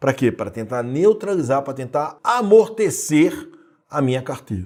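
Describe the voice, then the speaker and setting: The voice has lively intonation. The recording is very clean, with a silent background. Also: man. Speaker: finance course instructor. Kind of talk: recorded lecture. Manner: fast.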